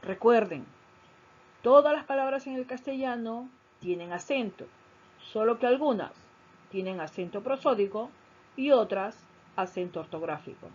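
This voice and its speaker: A woman teacher giving a recorded grammar lesson, explaining slowly, stressing key syllables and repeating her points. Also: on the high side, expressive, darkish tone. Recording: dull lo-fi recording.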